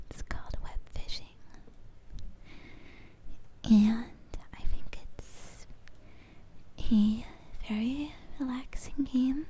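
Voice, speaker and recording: A woman whispers softly and breathily, very close to the mic. Her voice is mellow and she takes her time, gently feeling her way through phrases as she narrates a game in ASMR style. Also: fairly high pitch. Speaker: host of an ASMR gaming video. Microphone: close condenser microphones.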